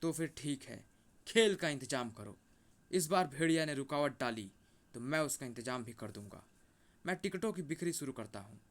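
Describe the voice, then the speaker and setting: A man voicing a proud, defiant tribal chief who boasts loudly in a comic story. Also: medium pitch, expressive, moderate pace, natural voice. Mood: scheming.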